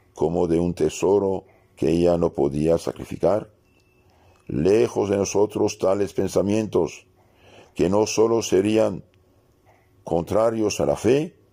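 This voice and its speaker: Very slow and marked by long, frequent pauses, a man's dark, mellow voice holds a very even loudness and ordinary pitch variation in a very clean recording with a silent background. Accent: Middle Eastern. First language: Aramaic (speaking Spanish). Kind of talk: sermon. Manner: halting, with repetitions and fillers.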